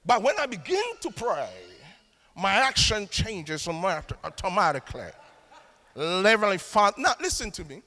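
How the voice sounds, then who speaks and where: A man with a Ghanaian accent preaching a sermon in a dramatic, animated way. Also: high voice, normal speed, big-room sound. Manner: dramatic, animated, mimics other pray-ers.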